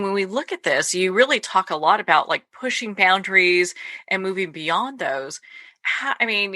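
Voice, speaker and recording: A woman's voice: fairly low pitch, no echo. A woman hosting an interview show over a video call, thanking her guest and asking questions appreciatively. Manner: warmly appreciative, asks questions. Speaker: talk show host. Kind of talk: interview chat.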